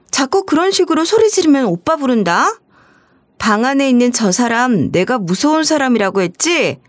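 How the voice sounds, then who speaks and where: A woman's voice: on the high side, dry recording, studio quality, lightly acted. A woman voicing a spiteful young woman who sneers and threatens in an irritated tone. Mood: menacing.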